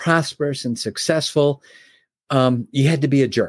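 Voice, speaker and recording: A man speaks at a moderate pace with an American accent. The recording is very clean with a silent background and a dry, close sound with no echo. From US Midwest, Chicago. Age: 60s. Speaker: business consultant and author. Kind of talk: interview storytelling.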